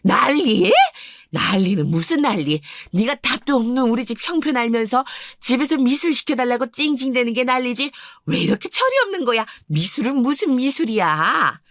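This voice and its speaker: Woman voicing a scornful old grandmother, shrill scolding, story narration. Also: expressive, moderate pace, a bit bright, dry recording.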